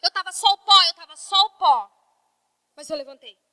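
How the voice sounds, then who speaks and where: Bright high-voiced woman preaching. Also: expressive, moderate pace, dry recording. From Brazil. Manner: conversational, emotional preaching with quoted dialogue. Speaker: pastor. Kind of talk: sermon.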